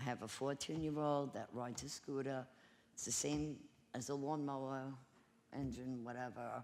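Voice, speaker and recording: At a moderate pace, a woman speaks with a very deep, low pitch and monotone, flat intonation. Long, frequent pauses break up her speech. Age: 70s. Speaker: tenant testifying at hearing. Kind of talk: testimony. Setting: town board meeting. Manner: halting.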